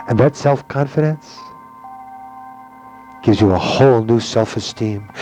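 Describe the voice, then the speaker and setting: A man speaks in a soothing, calm tone with ordinary pitch variation. Music plays in the background. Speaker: hypnotherapist recording a personalized hypnosis cassette. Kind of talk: hypnotherapy session, guided relaxation. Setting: old cassette tape recording with background music. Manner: slow, soothing, calm, repetitive.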